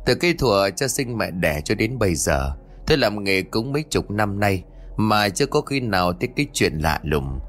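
Grumbly old sorcerer guy, low and muttery, swings up and down a lot, a man putting him on. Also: very animated, a bit bright. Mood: grumbling. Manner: low muttering, slow curses. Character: old male village sorcerer, gruff and grumbling.

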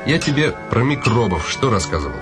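A man's voice: mid-range voice, big pitch swings, a little fast, over music, voice pushed down, close to an everyday voice. A man voicing a noble courtier who lectures his servant in a dry, impatient way. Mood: lecturing.

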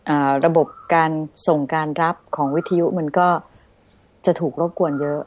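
A woman hosting a radio talk show, speaking politely and softly with many courteous particles. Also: low-pitched, little pitch movement, moderate pace. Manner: polite, soft-spoken, frequent polite particles. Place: radio studio.

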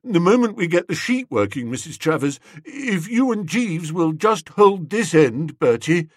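A man's voice: high voice, very animated, measured pace, no echo, studio quality, full character voice. A man voicing a timid young man who stammers and apologizes nervously. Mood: apologetic.

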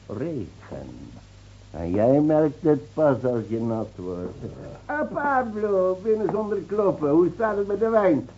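An actor playing a whimsical, boastful drunken idler who teases and talks poetically in a radio play. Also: male voice, fairly high pitch, mellow, slightly rough, heavily acted. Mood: exuberant. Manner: teasing, poetic, theatrical. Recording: muffled old radio play recording.

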